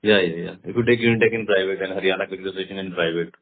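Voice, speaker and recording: Indian male executive, slightly deep voice, fielding investor questions on a narrow telephone connection. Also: little pitch movement, very fast. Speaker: company executive answering investors. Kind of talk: earnings call answers. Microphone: phone conference call. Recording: narrow muffled phone line.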